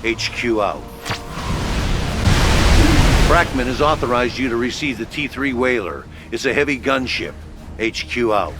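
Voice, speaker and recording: An actor playing a gruff military headquarters officer who gives brisk, blunt orders over the radio. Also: male voice, medium pitch, lively intonation, close to an everyday voice. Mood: commanding. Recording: game cutscene with loud music behind.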